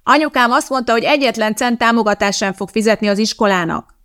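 A woman's voice: fairly high pitch, fairly bright tone, voice pushed up, natural voice. A woman voicing a scruffy little schoolboy who bluntly repeats his mother in an audiobook. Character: scruffy little boy pupil.

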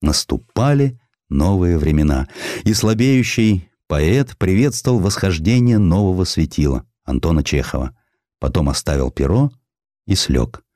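A man narrating a literary audiobook in a measured, expressive, dramatic storytelling manner. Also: low-pitched, no room sound, studio quality.

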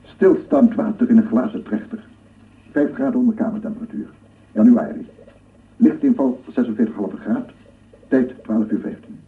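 A man's voice: mid-range voice, normal speed, recorded from a distance, lightly acted. An actor playing an obsessive scientist in a radio drama, lecturing formally and rhetorically with fervent wonder, repeating his phrases. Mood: intent, precise. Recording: muffled phone-like radio play recording, off-mic.

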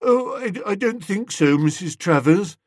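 A jittery young man who stammers and keeps apologizing, his voice jumping about in pitch, as a male reader puts him on. he sounds eager to please. the recording is close and dry. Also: animated, measured pace, no room sound. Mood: apologetic.

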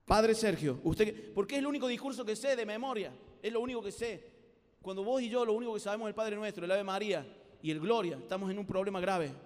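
A man with a Rioplatense Spanish accent preaches a lively youth sermon. He tells stories and acts out every voice in them. His voice sits high, and a long reverb from the large hall trails after each phrase. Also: fast. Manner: animated storytelling with acted-out voices.

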